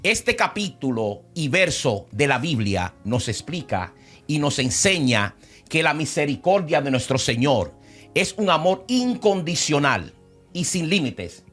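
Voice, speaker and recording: A man's voice: fairly high pitch, big pitch swings, a little slow, a bit bright, soft background music. A man co-hosting a Christian program, who introduces the show and teaches on Bible verses with frequent exclamations.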